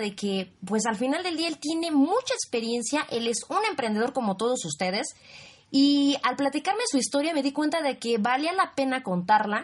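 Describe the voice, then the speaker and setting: A woman with a Mexican accent speaks in an animated tone at a moderate pace. Her pitch is high, with very wide swings. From Mexico. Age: 20s. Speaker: podcast host. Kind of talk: casual interview.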